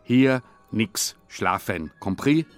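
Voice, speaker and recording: A man voicing a stern club chairman who speaks slowly, loudly and in simplified broken phrases. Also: on the low side, animated, soft background music. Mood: commanding. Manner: loud, slow, simplified broken talk to foreigners. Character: stern club chairman, middle-aged man, gruffly commanding.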